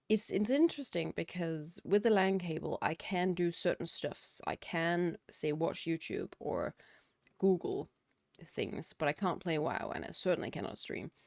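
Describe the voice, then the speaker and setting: A woman's voice: low-pitched, vocal fry, dry recording, clean studio sound. A woman with a Danish accent, a game streamer chatting casually at her home computer and answering chat. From Denmark. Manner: chatty, reads out chat questions and answers them. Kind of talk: casual chat while gaming. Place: home room, windows and curtains.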